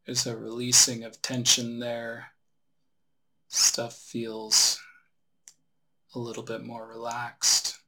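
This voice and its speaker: Male meditation instructor, crisp bright tone with plenty of vocal fry, unhurried step-by-step guidance. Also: mid-range voice, completely flat delivery, rough recording. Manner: unhurried instruction with long pauses. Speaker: meditation teacher. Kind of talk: guided relaxation meditation instruction.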